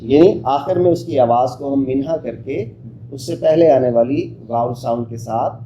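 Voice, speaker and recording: A man's voice: mid-range voice, normal speed. A man teaching pronunciation in an interactive lesson, emphatically sounding out letters and quizzing his listener with short questions. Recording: echoey room with steady background noise.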